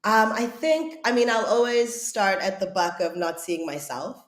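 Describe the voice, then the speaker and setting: A woman's voice: mid-range voice, a little slow. A woman, a writer and director, talking thoughtfully in an interview, often searching for her words. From South Africa. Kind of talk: reflective conversational interview. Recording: echoey room.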